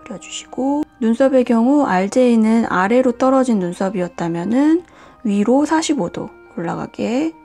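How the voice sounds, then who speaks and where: Soft-spoken woman with a gravelly edge. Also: on the high side, faint music behind. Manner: calm, slow, often drops to a whisper. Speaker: nail art tutorial host. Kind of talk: soft-spoken step-by-step drawing tutorial. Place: indoors at a desk, hands on camera.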